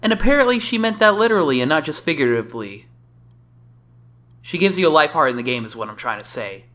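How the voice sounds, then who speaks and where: A woman's voice: low voice, big pitch swings, fast, fairly bright tone. A woman giving casual, sarcastic reaction commentary as a video game reviewer, often exclamatory. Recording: voice-over with faint game music.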